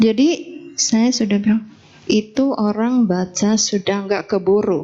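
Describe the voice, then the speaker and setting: Speaking very slowly, a woman has a fairly high-pitched voice. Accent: Batam. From Batam, Indonesia. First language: Mandarin (speaking Indonesian). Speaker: Buddhist nun giving a dharma talk. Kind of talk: dharma talk with Q&A. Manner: conversational.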